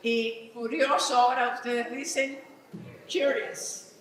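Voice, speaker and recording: Slow-talking woman in an echoey hall. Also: on the high side, fairly bright tone, recorded from a distance, slight background noise. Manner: drills word lists aloud, asks the audience questions. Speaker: conference speaker teaching English vocabulary. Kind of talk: live conference talk. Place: large conference hall.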